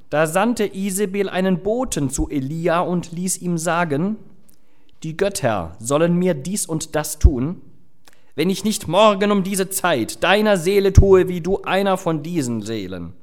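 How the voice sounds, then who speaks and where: A man preaching, reading scripture and chatting casually with the congregation with fillers and asides. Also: a little high. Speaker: pastor. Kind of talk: sermon with Bible reading.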